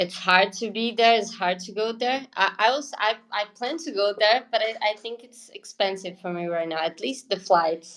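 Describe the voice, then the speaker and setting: A woman with a Portuguese accent, fairly high in pitch, with ordinary pitch variation, big swings in loudness, a moderate pace and hardly any pauses. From Brazil. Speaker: travel vlogger. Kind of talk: interview on a livestream. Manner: halting.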